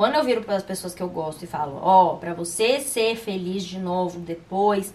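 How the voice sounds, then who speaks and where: A woman talks at a moderate pace and a medium pitch. Her pitch varies in an ordinary way. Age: 20s. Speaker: podcast host. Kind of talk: solo casual monologue. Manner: talkative, animated.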